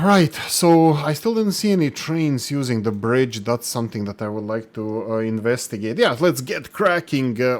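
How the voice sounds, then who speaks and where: A man from Croatia commenting casually over his own gameplay, rambling with many fillers and restarts, self-deprecating. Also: medium pitch. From Croatia (Slavonia). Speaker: gaming channel host. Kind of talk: casual let's play commentary.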